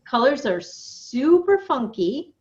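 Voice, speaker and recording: A woman's voice: high voice, very animated, takes it slowly, darkish tone. A middle-aged woman co-hosting a casual stitching chat, chatty and giggly. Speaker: flosstube co-host. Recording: dull lo-fi sound with faint noise.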